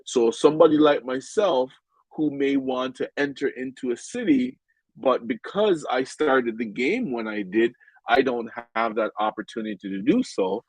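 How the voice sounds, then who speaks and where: A man's voice: mid-range voice, animated, moderate pace, husky, no echo, poor audio. A man with a stuffed-up, nasal voice giving casual game commentary in a rambling way, with many ums and restarts. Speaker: game vlogger.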